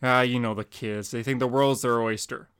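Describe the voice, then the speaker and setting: Gruff, scolding dad, middle-aged, short-tempered, dry close voice, put on by a man. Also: mid-range voice, fairly even intonation, normal speed, fairly bright tone, dry recording, lightly acted. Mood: dismissive. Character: stern working-class father, middle-aged man. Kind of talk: amateur comic dramatic reading.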